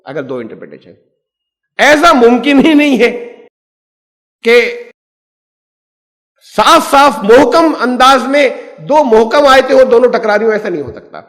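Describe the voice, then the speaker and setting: High-voiced man lecturing in an echoey hall. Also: big pitch swings, long pauses, a bit bright. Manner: explanatory, poses rhetorical questions, mixes English terms. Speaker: Islamic scholar teaching the Quran. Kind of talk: Quran lecture.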